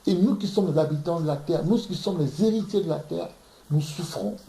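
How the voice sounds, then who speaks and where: A man's voice: on the high side, a little fast, gravelly, background noise. A man from Ivory Coast preaching on scripture in an emphatic way, often repeating words as he searches for them. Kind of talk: impassioned bible teaching. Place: room in London. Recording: echoey room.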